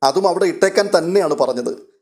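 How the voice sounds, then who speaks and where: A man's voice: on the high side, expressive, brisk, darkish tone, voice pushed up. A man reading out a stern, bossy woman of the household, voicing her in a curt, scolding way.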